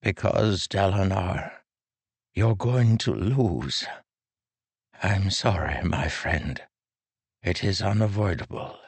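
A man voicing a frail, weary old king who speaks with a soft, drawn-out, sorrowful delivery. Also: low-pitched, vocal fry, breathy edge, dry recording, pitched above the performer's own voice, exaggerated voice. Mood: resigned. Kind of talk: audiobook character voice.

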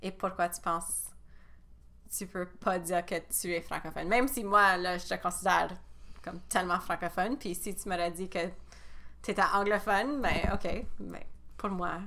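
A woman's voice: fairly low pitch, steady tone, moderate pace, bright, forceful tone. A woman who hosts a podcast and works as an educator, asking reflective questions and encouraging her guest. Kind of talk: podcast interview.

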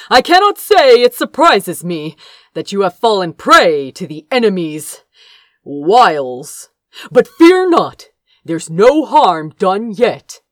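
A woman plays an arrogant royal older brother in a fantasy storybook. He is stern and condescending, with clipped commands and forceful, swinging intonation. The recording is close and dry. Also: mid-range voice, no echo.

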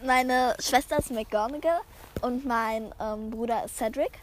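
A young woman in animated, casual chat with a friend during a game, laughing and quick to get excited. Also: a little high, a little hiss or hum. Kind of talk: casual chat while playing a drawing game.

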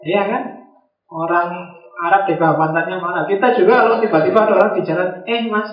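A man's voice: high-pitched, fairly even intonation, fast talker. Man, casual classroom lecture, jokey, echoey room. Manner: joking, conversational, acts out little quoted exchanges. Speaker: philosophy lecturer. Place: classroom with students. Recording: roomy, dull lo-fi classroom recording.

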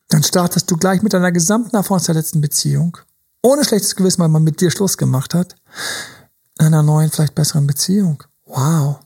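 Husky man, relationship coach, emphatic motivational monologue, slips into whispers. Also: fairly high pitch, a little mellow. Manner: emphatic, drops to whispers, acts out inner voices.

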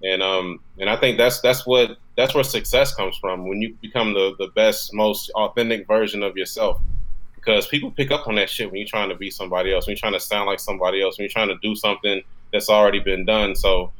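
A man from Texas, a guest musician talking casually on a podcast, relaxed and profane, often restarting his words. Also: lowish voice, a little fast, low-quality recording.

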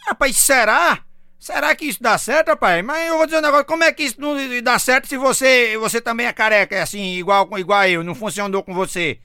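A middle-aged man with a Northeastern Brazilian accent telling crude jokes in a lively, slangy style. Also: very high-pitched, fast talker, clean tone. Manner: lively storyteller, slangy, laughs at own punchlines, acts out squealing women. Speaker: joke teller.

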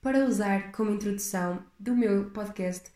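This young podcast host, with a European Portuguese accent, speaks at a moderate pace with a medium-pitched, mellow, soft-edged voice. Chatting alone in an echoey room, she rambles reflectively and frequently restarts her ideas.

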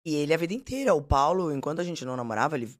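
Fast-talking blunt Brazilian woman. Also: sits low. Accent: Brazilian Portuguese. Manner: blunt, animated, slangy. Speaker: podcast guest. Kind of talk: casual storytelling.

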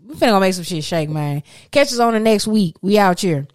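A woman's voice: medium pitch, expressive, fairly quick, darkish tone. Teasing, blunt woman podcast host. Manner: blunt, teasing, laughs often. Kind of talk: casual podcast chat.

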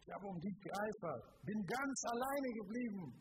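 An aggrieved, despairing prophet lifts a whining lament toward God, as a preacher acts him out. The voice sits high and strained with self-pity. It is heard through a noisy live sermon recording. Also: male voice, expressive, moderate pace.

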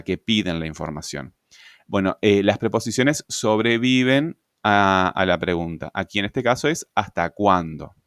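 A man's voice: on the low side, a bit bright, smooth, no room sound, clean studio sound. A man explaining grammar in a recorded lesson, hesitating often and checking in with tag questions. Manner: halting, many fillers and tag questions. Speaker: grammar teacher.

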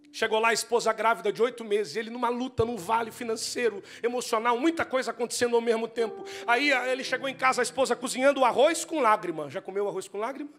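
High-voiced preaching man, faint music. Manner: swings from hushed storytelling to shouted preaching. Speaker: pastor. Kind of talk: storytelling sermon.

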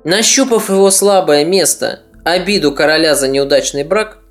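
Give me a calm, deliberate male podcast narrator reading a history script. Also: fairly high pitch, soft background music. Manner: steady, deliberate storytelling.

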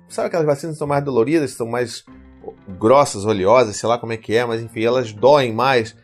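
A man shares parenting advice in a casual vlog, telling his story with energy and playing out the dialogue himself. His voice sits at an ordinary middle pitch. Soft music runs quietly underneath. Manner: animated storytelling, acting out his own quoted dialogue. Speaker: parent vlogger.

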